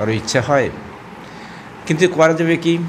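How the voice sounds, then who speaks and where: A man's voice, with noticeable background noise. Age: old. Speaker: retired senior vlogger. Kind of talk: personal vlog talk to camera.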